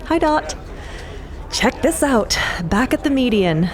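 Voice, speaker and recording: A woman playing a soft-hearted, candid adventurer in an audio drama, with an informal, hesitant, earnest way of talking. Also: high voice, very animated, slow pace, some chatter behind, pitched above the performer's own voice, exaggerated voice. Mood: tentative concern.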